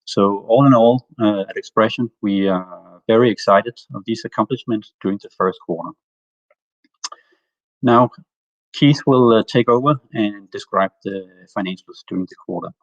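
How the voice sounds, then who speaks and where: A man with a fairly low voice delivers a prepared corporate update, steady and measured with small hesitations. The audio is dry and dull, like a lo-fi call feed. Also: no echo. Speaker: company executive presenting results.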